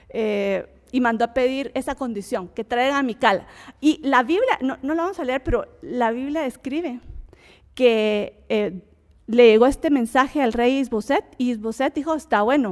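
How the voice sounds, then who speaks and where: A woman's voice: fairly high pitch, in a large hall. A woman teaching an informal Bible study lesson, chatty and emphatic, often restarting her sentences. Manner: conversational, many fillers and restarts, rising emphatic exclamations.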